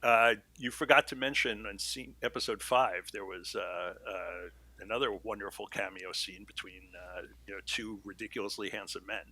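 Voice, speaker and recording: A man's voice: on the low side, normal speed, pushed and bright. A man speaking as an interview guest, off-the-cuff and teasing. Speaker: guest, series creator and writer. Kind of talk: casual interview chat.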